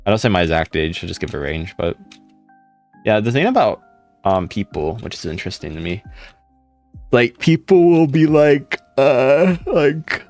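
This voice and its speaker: Young male streamer, deep gravelly voice, laid-back rambling chat, faint music behind. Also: very animated, moderate pace, darkish tone. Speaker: live streamer. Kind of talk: casual live stream chat, reading comments.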